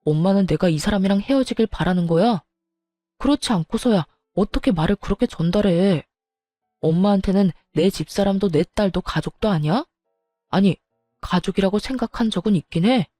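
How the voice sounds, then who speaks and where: A woman's voice: medium pitch, brisk, dark tone, dry recording, faint music behind, close to an everyday voice. A woman voicing an angry middle-aged husband who scolds bluntly and reproachfully, in a narrated audio story. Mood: indignant.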